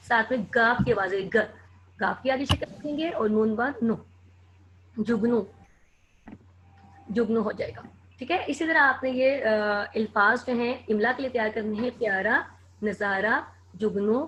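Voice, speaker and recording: A woman teaching a children's lesson, spelling words out slowly and clearly letter by letter. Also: on the high side, a bit bright, slight background noise.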